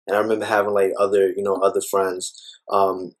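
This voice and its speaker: A man's voice: sits low, monotone, fairly quick. A man speaking as an interview guest, talking thoughtfully in a rambling way with many fillers. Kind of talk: reflective personal conversation.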